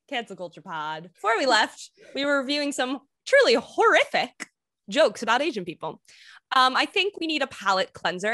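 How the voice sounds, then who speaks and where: Lively, chatty woman podcast host. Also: mid-range voice, dry recording, studio quality. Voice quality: chatty, laughs easily. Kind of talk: casual podcast chat.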